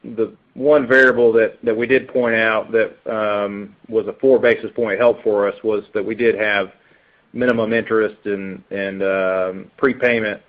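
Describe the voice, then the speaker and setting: A man's voice: on the low side, steady tone, a little slow. A man speaking as a company executive on an earnings call, answering off the cuff in hesitant, stop-start phrases. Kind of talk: unscripted earnings call commentary. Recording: tinny narrow phone conference line.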